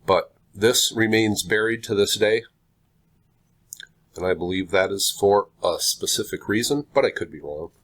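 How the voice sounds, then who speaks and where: A man with a stuffed-up, congested voice, hosting a video in casual commentary with slow, halting phrasing and frequent pauses. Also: lowish voice, a bit bright. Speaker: video host. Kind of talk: casual commentary, reading aloud from a website.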